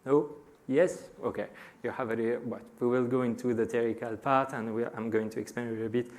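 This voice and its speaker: A middle-aged man from France with a French accent, giving a conference talk to a live audience and pausing often on filler sounds. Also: medium pitch, steady tone, darkish tone. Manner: frequent hesitations with many "uh" fillers. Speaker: conference speaker.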